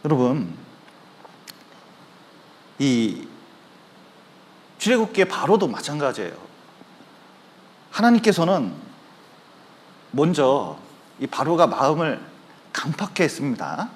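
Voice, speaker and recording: A male pastor preaches a sermon in a church sanctuary, telling stories with animation and acting out the voices of the people in them. His voice is fairly high and slow, with long pauses.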